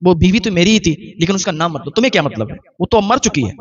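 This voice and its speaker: A man's voice: high-pitched, big pitch swings, very fast, far from the mic, lo-fi sound. A man doing a bitter, wronged husband. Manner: gruff, resentful refusals.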